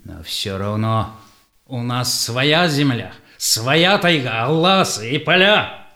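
Proud, defiant male tribal leader for verse radio play, played by an actor: very unhurried, weighty, declamatory. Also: mid-range voice, expressive, bright, forceful tone, heavily acted. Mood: wary, proud. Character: proud, defiant Yakut tribal leader, embittered father of five. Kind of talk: theatrical verse drama acting.

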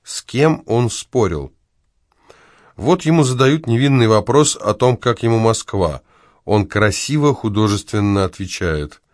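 A man's voice: on the low side, lively intonation, measured pace, no echo, clean studio sound. A man reading his own essay aloud in an ironic, argumentative way.

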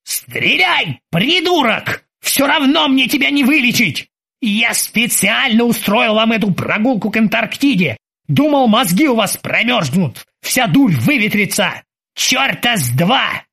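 A man voicing an irritable middle-aged yacht captain who barks and shouts in exasperation. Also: high-pitched, very animated, slow pace, husky, heavily acted. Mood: furious shouting.

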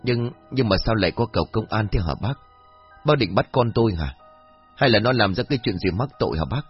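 A man's voice: fairly low pitch, expressive, fairly quick, slightly rough, dull audio, soft background music. A man voicing a hot-tempered middle-aged village father who curses and blusters, in a storybook reading. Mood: stammering. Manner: angry, cursing, blustering.

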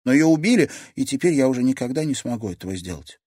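A man's voice: medium pitch, lively intonation, fast talker, warm tone, husky, no echo, clean studio sound, voice pushed up. A man voicing a hurt, defiant young woman arguing heatedly with her grandmother in an audiobook. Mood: pleading. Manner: heated, accusing.

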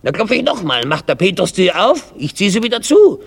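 A man's voice: high-pitched, big pitch swings, a little fast, vocal fry, breathy edge, big-room sound, pitched above the performer's own voice, exaggerated voice. A man voicing a sly man who explains his trick step by step, his voice climbing with each repetition. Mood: scheming. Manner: building, repetitive storytelling. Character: sly old man with a trick to enter heaven.

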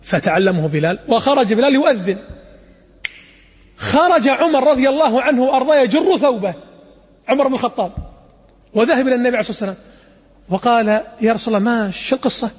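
A man preaches in a husky, high voice, lively and quick as he acts out the stories he tells. The sound has a long reverb, as in a large hall or mosque. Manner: lively, acts out quotes, demonstrates call to prayer recitation. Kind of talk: sermon storytelling to an audience.

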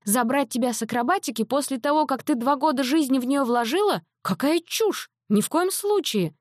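A high-strung storybook mother, shrill and exasperated, who scolds in a raised, tight voice, as a woman reader puts her on. The sound is close and dry, with no room around it. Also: sing-song, normal speed, dry recording. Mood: frantic scolding. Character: frantic scolding mother, middle-aged woman. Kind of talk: audiobook character voice.

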